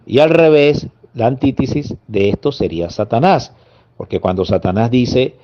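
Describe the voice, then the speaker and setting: A man preaching a Catholic sermon, earnest, slowing down to stress each word in a list. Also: medium pitch, expressive, dark tone. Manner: earnest, slow emphatic lists with pauses. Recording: dull lo-fi audio.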